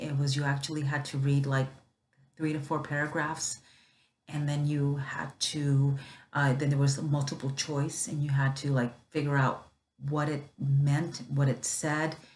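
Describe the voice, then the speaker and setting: A somewhat breathy woman's voice with a very deep, low pitch. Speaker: student sharing exam experience. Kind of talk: casual vlog talk. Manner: hesitant with fillers.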